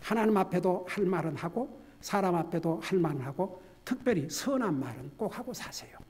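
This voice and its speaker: Husky pastor preaching with hushed intensity. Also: male voice, sits high, lively intonation, a little fast. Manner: swings from hushed near-whisper to loud exhortation; asks the congregation questions directly. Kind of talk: sermon. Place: church.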